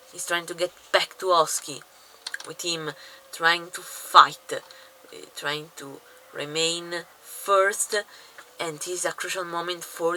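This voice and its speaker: Against noticeable background noise, a woman with a non-native accent speaks very slowly in a fairly low voice. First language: not English. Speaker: esports race commentator. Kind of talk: live commentary. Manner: halting, many fillers; animated.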